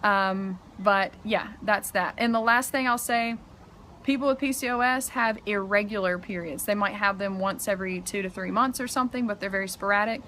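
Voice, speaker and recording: A young woman talks straight to the camera in a casual, chatty way, her speech full of "like" and "um". Her pitch is mid-range for a woman. There is a faint hiss of outdoor ambience behind her. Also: moderate pace, sharp tone. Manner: chatty, frequent "like" and "um". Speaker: vlogger and health coach. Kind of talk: casual advice vlog. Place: outdoors in strong sun.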